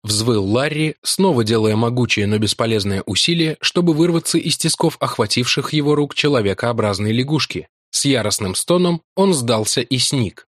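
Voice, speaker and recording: A man reading a novel aloud in measured, expressive scripted narration. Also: medium pitch, dry recording, clean studio sound. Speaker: audiobook reader.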